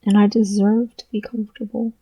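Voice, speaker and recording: A trans man talking through his thoughts in a personal vlog, halting and earnest, with a voice he describes as deeper than most girls'. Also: flat delivery, mellow, no echo, low-quality recording. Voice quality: low voice with gravelly fry. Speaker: vlogger.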